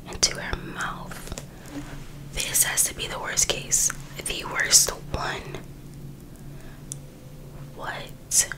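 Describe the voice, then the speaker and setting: A woman reading a book aloud for ASMR in a breathy, unvoiced whisper, pausing between short phrases. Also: rough recording. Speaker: ASMR creator.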